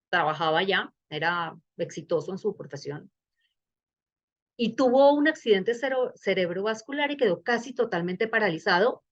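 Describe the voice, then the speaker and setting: A woman's voice: mid-range voice, dull audio. A middle-aged woman with a Colombian accent, giving a bioethics lecture in a webinar in a conversational, engaged way that poses questions to the audience. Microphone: video call.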